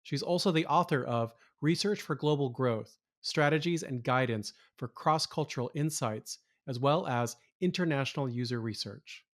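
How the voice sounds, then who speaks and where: A man hosting a podcast, reading a short scripted intro and then asking casual interview questions in a measured way. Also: medium pitch. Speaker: podcast host.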